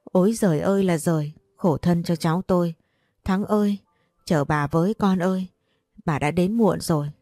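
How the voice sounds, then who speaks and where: A woman's voice: fairly low pitch, moderate pace, warm tone, no echo, studio quality, soft background music, natural voice. A woman voicing a grieving grandmother near sixty, pleading and tearful. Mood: wailing.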